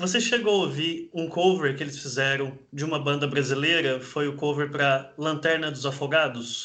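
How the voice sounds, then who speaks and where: A man speaks at a moderate pace in an ordinary speaking voice, fairly high in pitch, with ordinary pitch variation and hardly any pauses. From Brazil. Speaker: podcast host. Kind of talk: interview.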